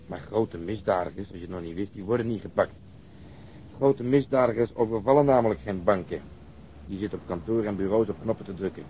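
A male actor plays a cynical policeman in a radio drama. His voice is lowish, his delivery dry and sarcastic, like a man fed up with society. The recording is dull with faint rumbling noise. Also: mellow, lightly acted. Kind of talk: Dutch radio drama acting.

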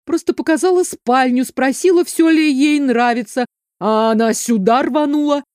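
A woman plays a fussy, condescending housekeeper in an indignant mood, lightly acted and pitched above her own voice. Her voice is high, steady and mellow at a moderate pace. The recording is clean studio sound with no room sound.

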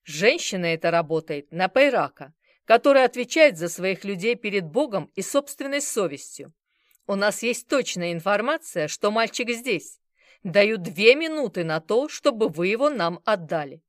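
A woman's voice: mid-range voice, sing-song, moderate pace, fairly bright tone, no echo, clean studio sound. A woman voicing a menacing male gang boss who barks threats and orders. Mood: threatening.

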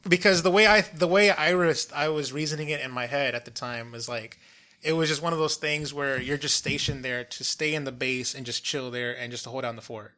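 A man hosts a casual podcast interview, asking questions in an easygoing, joking way. His voice is bright and mid-pitched. He swears freely. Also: a little fast. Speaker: podcast host.

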